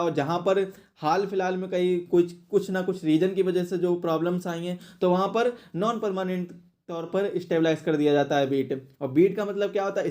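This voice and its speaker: A man's voice: high voice, darkish tone. A man teaching an exam question-and-answer lesson, explaining and repeating phrases for emphasis.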